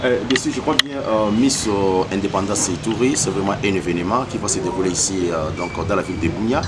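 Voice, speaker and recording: A man's voice: low voice, a little fast, very noisy. A male host asking questions in an interview, hesitant and full of fillers.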